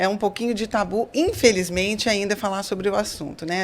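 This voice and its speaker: A woman speaks in a plain, everyday voice at medium pitch. Her pitch varies in an ordinary way. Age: 40s. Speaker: physician. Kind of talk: podcast interview.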